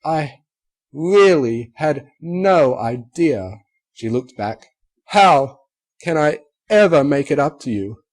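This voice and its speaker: A man voicing a refined, fashionable female unicorn who speaks in a high, choked-up voice. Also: moderate pace, a little mellow, slightly rough. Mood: emotional.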